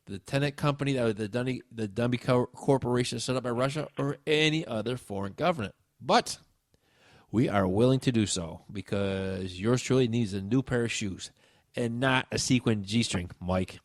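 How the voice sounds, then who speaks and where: A man's voice: medium pitch, moderate pace, no room sound, studio quality. A man hosting a talk radio show, wry and rambling with frequent filler sounds.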